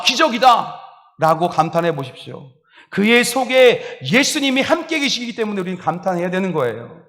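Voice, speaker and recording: A male pastor preaching a sermon, lively and animated, acting out exclamations and laughing along as he speaks. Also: high voice. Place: church sanctuary. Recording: reverberant church hall.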